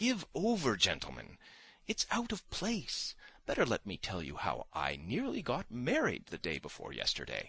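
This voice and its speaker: Against a quiet background, a man performs in a put-on character voice. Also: moderate pace. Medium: read story. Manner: condescending, majestic.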